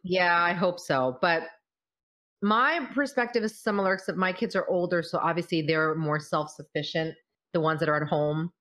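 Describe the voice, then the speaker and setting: A woman in her forties, a mother of college-age kids, talking in a casual, expressive way as host of a conversation. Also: on the low side, moderate pace.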